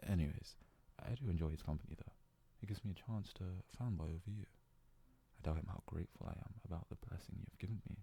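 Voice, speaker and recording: A man playing a devoted, self-abasing young yandere fox-boy servant in an ASMR roleplay, worshipful and hesitant, often slipping into breathy whispers. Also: low voice, warm tone, heavily acted. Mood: awed worship. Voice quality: husky, gravelly, breathy, often dropping to a whisper.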